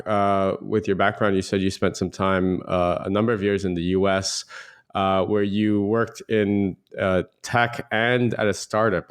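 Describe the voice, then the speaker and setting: A man hosting a podcast, reading a polished intro and then asking questions with some fillers. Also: lowish voice. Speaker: podcast host. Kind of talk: scripted intro, then casual interview questions.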